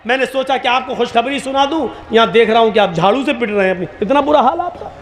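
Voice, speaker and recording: A man's voice: very high voice, fast. Man doing a sulky, grumbling disciple. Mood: mocking. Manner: grumbling, deflated. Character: glum, sulking male disciple of a holy man.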